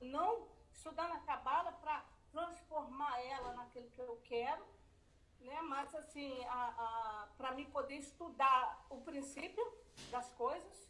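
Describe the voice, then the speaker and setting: A woman speaks at a high pitch in a raised, projected voice. Her tone is bright and sharp. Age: 60s. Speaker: study group participant. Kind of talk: testimony. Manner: halting, repetitive.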